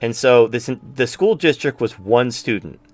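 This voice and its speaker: A man's voice: medium pitch, normal speed, no room sound. Dry-sounding podcast host man. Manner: animated, mimics other people's voices. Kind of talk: casual chat.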